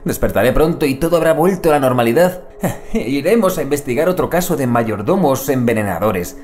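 An actor playing an anguished, loyal investigator who dreads cosmic horror, in a theatrical, brooding audio drama monologue that swings between outburst and muttering. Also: male voice, medium pitch, expressive, a little fast, a little mellow, close to an everyday voice. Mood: anguished, fearful.

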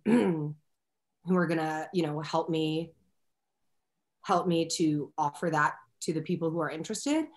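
Young woman, lowish voice, expressive guest. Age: young adult. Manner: animated, expressive, talks fast with many fillers. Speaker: actor, interview guest. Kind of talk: candid conversational interview. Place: home room with a window, indoors. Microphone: laptop webcam on a video call.

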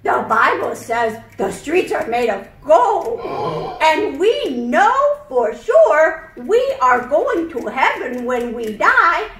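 A kindly teacher puppet from a children's show, played by a woman, with a very high, swooping voice. The delivery is very slow, simple and emphatic, full of exaggerated cheer, in an echoing room. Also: very animated, a bit bright, heavily acted. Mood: gentle, instructive. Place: indoor church room, puppet stage. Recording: roomy, echoing church room.

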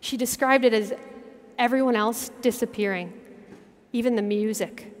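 A woman in her thirties, a religious sister, giving an inspirational keynote speech from an arena stage in a measured, earnest way with dramatic pauses. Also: a little high. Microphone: headset mic at a podium. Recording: long arena reverb.

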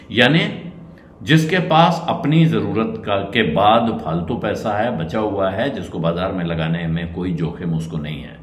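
A middle-aged man, a senior journalist, giving measured market commentary to camera from a room at home. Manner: measured explanatory delivery, dropping low at cautions. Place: indoor room with curtains. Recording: roomy echo, faint noise.

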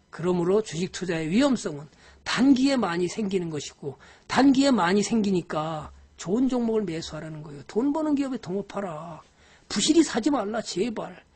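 A woman's voice: medium pitch, a little mellow, husky. A woman giving a live-streamed lecture on stock investing. She talks to viewers directly in a scolding, exasperated way, with frequent sighs.

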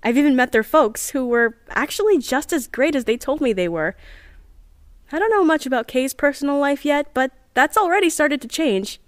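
An actress playing an eager, nervous young rocket chemist who talks in chatty, earnest asides in an audio drama diary. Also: female voice, sits high, lively intonation, moderate pace, dry recording, clean studio sound. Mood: earnest, hopeful.

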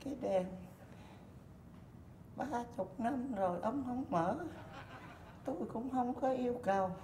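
An actress playing a frail, nagging old wife in a stage comedy sketch, with a plaintive, complaining manner. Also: female voice, fairly high pitch, measured pace, mellow, close to an everyday voice. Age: older. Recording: roomy stage recording with noise.

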